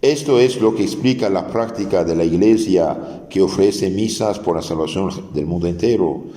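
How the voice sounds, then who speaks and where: A man's voice: low-pitched, moderate pace, dark tone. A man, a priest, giving an earnest, explanatory sermon with restarts. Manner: earnest, explanatory preaching with restarts and dramatized Gospel quotes. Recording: echoey, reverberant hall.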